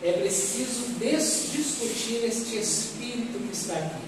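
High-voiced Brazilian man lecturing in echoey hall. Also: animated, measured pace. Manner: didactic, repeats phrases, asks rhetorical questions. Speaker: speaker at a spiritist lecture. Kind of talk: expository religious lecture to an audience. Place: medium-sized meeting room, indoors. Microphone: distant audience camera. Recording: echoey hall, distant microphone, loud noise.

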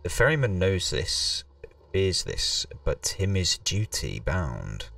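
A man reading game text aloud as a solemn storybook pirate narrator, slow and dramatic. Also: sits low, very animated, creaky, a bit bright, no room sound, distant mic, full character voice. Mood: solemn, ominous.

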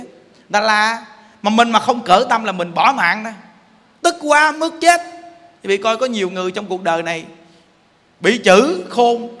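A man with a Southern Vietnamese accent giving a Buddhist sermon, animated and joking as he puts questions to his listeners. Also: sits high, big-room sound. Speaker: Buddhist monk preaching.

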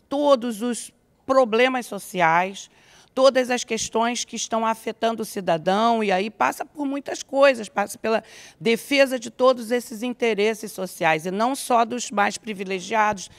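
A middle-aged man giving an interview answer into a handheld microphone in an office. He speaks deliberately and reflectively, pausing to build his point. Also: high-pitched, fairly bright tone. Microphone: handheld interviewer mic.

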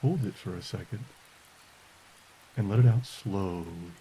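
Very soft, mellow man guiding meditation over rain. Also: deep voice, rough recording. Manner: soft, slow, soothing delivery. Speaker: podcast host. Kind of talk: guided meditation. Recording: hiss and rain noise.

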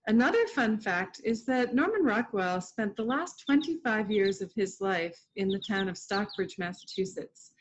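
A woman's voice: medium pitch, big pitch swings, normal speed, few pauses. A middle-aged woman presenting an informal educational art lesson for children from a room at home over a video call. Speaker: museum educator hosting an online art lesson. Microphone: computer mic on a video call. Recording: dull, lo-fi video call audio.

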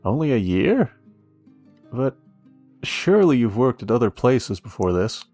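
Soft guitar accompanies a male actor with a sing-song, mid-range voice as he portrays a young café worker in a romance roleplay. The character is friendly and protective, gently teasing, curious and admiring, with hesitant pauses.

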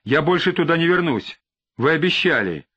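A man's voice: a little high, big pitch swings, moderate pace, fairly bright tone, slightly rough, lo-fi sound, heavily acted. A man reading an audiobook, voicing a tearful, panicky middle-aged male suspect who talks in an agitated, sniveling way.

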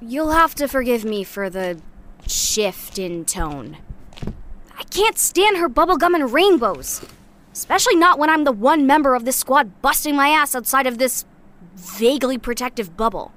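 A woman's voice: high voice, animated, normal speed, fairly bright tone, slight background noise. A woman playing a guarded, cynical young scrap scavenger in a sci-fi audio drama, talking bluntly and casually with sardonic bite. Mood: exasperated, sarcastic. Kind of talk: audio drama monologue, naturalistic.

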